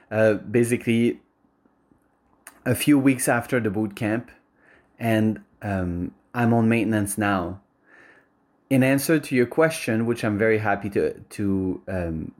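A man, a priest, sharing a personal testimony in a measured, thoughtful way. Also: fairly low pitch, a little mellow. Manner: measured, thoughtful, some restarts. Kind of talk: casual home video testimony.

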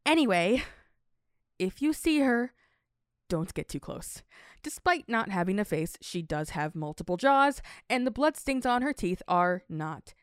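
A woman's voice: medium pitch, sing-song, measured pace, clear, resonant tone, no room sound, studio quality. A woman playing a playful, prying camp announcer who speaks to the children over the speakers with a whimsical patter. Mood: teasing. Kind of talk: audio drama acting.

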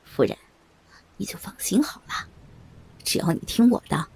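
A woman's voice: lowish voice, lively intonation, normal speed, a little mellow, breathy edge, in a whisper, voice pushed down, full character voice. A woman voicing a sly, leering old man who gloats and chuckles mockingly. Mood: gloating, sly.

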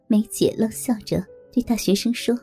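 A woman narrating a first-person audio story in a slow, soft-spoken way. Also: a little high, soft background music.

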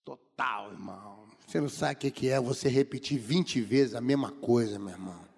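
A man's voice: medium pitch, moderate pace, gravelly, a little mellow, husky. A middle-aged man with a Brazilian Portuguese accent preaching a sermon, telling humorous stories and acting out the people he quotes. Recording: long reverb of a large hall.

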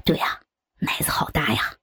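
A woman voicing a lecherous chubby teenage boy in whispered role-play, sly and leering, with soft music behind. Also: moderate pace, natural voice.

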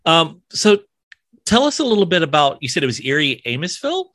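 Podcast host, man with a light Southern accent, bright tone, stumbling but eager. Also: fairly high pitch, very animated. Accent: mild Southern US. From South Central Alabama, USA. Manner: halting, many restarts, friendly enthusiasm. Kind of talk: casual interview chat.

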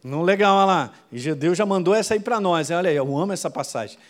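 A male pastor, preaching a sermon in a lively, conversational way full of quick asides. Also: high-pitched.

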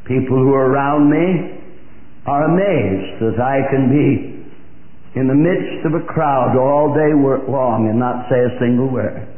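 An older man preaching a sermon with a big, emphatic voice, speaking slowly. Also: medium pitch. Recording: echoey hall on a tinny, phone-like old recording.

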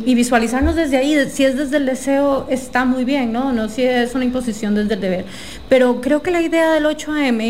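A woman, talking thoughtfully and softly as a guest in a casual interview. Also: a little high, a little hiss or hum. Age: 30s.

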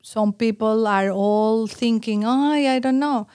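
A woman's voice: a little high, takes it slowly, a little mellow, dry recording. A middle-aged Colombian woman who speaks English with a Spanish accent, talking earnestly as an interview guest and laughing at herself. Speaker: guest, communications coach. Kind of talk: conversational interview.

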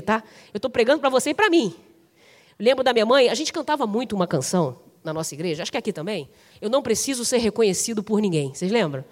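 A woman preaches with a Brazilian Portuguese accent, talking fast and lively to her congregation. Her voice sits high and swings widely in pitch. The sound carries a long reverb from the church hall. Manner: animated, conversational preaching addressing the congregation as brothers. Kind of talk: sermon.

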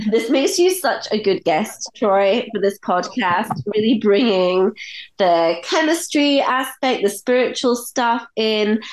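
A woman hosting a podcast interview in an effusive, appreciative way, her voice husky and hoarse with a bad cold. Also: mid-range voice, a little mellow. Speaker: podcast host.

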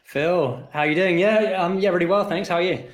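A man in his thirties with an English accent mixed with some Australian, telling stories in a relaxed, rambling way as a podcast guest. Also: sits high, normal speed. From England. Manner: relaxed, rambling, many fillers and restarts. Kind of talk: casual interview storytelling. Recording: echoey room.

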